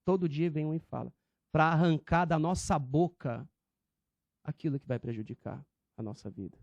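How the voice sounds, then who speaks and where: A man's voice: fairly high pitch, normal speed, gravelly, darkish tone, no room sound, muffled recording. A male preacher who gives an emphatic, rhetorical sermon and addresses his listeners as brethren.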